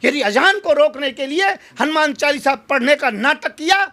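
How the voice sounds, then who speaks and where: A man's voice: very high voice, animated, moderate pace, pushed and bright. A man giving an impassioned political interview, speaking in combative, emphatic oratory full of rhetorical challenges.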